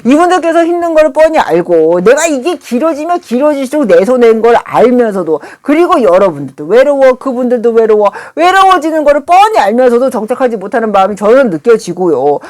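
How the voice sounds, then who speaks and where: Animated woman giving a tarot reading. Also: on the high side, fairly quick, hardly any pauses. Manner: animated, swings between pleading and scolding asides. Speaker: tarot reader and shaman. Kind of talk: live tarot reading monologue.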